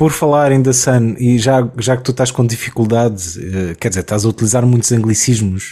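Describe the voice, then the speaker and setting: On a very clean recording with a silent background, a man with a dark, mellow tone speaks at a medium pitch and moderate pace, using ordinary pitch variation. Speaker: podcast co-host. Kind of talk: casual chat.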